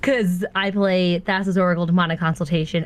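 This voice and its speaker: A woman with an American accent uses a plain, everyday voice, speaking at a moderate pace and fairly low pitch. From US South, Atlanta. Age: 20s. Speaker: Twitch streamer. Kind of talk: casual chat.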